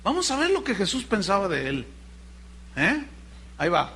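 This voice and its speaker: A pastor preaching a sermon, firing off rhetorical questions with dramatic emphasis. His voice is unusually high and very bright. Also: huge pitch swings, moderate pace, a little hiss or hum.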